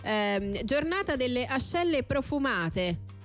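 A woman presents a live radio show in a fairly high voice, addressing listeners like a practised announcer. She slips between quiz announcing and banter, with faint music behind her. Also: sing-song, takes it slowly.

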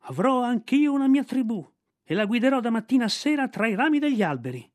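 Man doing a bratty jungle kid voice, high and excited, dry close mic. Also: a little fast, dry recording. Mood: excited, pleading. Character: cheeky boy raised in the jungle, boastful.

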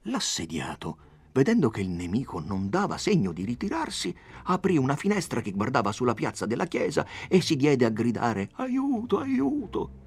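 A man giving a dramatic reading of a classic novel, expressive and animated. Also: fairly quick. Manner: expressive, raises pitch for quoted characters. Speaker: audiobook reader.

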